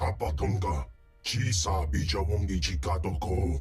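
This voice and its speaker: A man's put-on, growling character voice, very deep and low, at a moderate pace with faint music in the background. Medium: video game. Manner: speaks an alien language.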